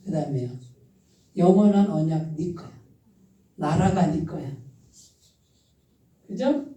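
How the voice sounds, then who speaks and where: A man's voice: fairly high pitch, slow pace, warm tone. A man preaching a sermon as pastor, speaking with emphasis and putting rhetorical questions to the congregation. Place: church sanctuary. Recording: very echoey church hall, voice from far off.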